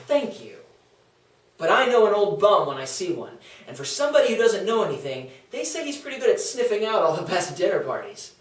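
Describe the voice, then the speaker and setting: Scorn and sarcasm fill this man's performance as a brash Athenian skeptic during a comedic table read. He speaks a little fast in a high voice that swings widely in pitch. A distant mic in a small meeting room gives a roomy sound.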